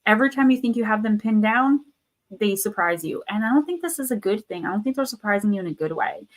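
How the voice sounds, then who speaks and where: Woman card reader, hoarse sore voice, rambling live reading, lots of ums and restarts. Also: medium pitch, lively intonation, fast talker, poor audio. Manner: reads card texts aloud, then riffs loosely with fillers and restarts. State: losing her voice, sore throat. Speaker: tarot and oracle card reader, channel host. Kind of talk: live-stream card reading, casual and intuitive.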